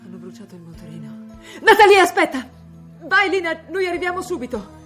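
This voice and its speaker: A woman's voice: on the low side, animated, a little fast, faint music behind, close to an everyday voice. An actress playing a middle-aged mother under threat, tense and urgent in a TV drama. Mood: alarmed. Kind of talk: TV drama acting.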